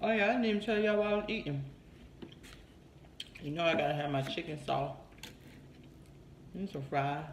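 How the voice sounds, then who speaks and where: A woman's fairly low voice at a fairly quick pace, with light background noise and audible room echo. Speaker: mukbang vlogger. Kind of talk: casual vlog chat. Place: home room. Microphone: phone near.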